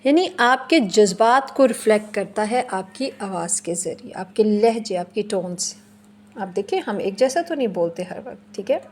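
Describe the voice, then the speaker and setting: A woman teacher giving a slow, deliberate classroom lecture, explaining in English and then again in Hindi-Urdu. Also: medium pitch, animated, darkish tone. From Pakistan.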